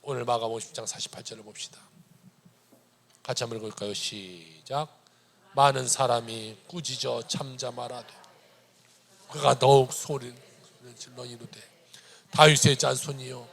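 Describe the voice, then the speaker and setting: A male pastor preaching a sermon, swinging between loud cries and hushed whispers. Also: medium pitch, fairly even intonation, moderate pace, gravelly, pauses often.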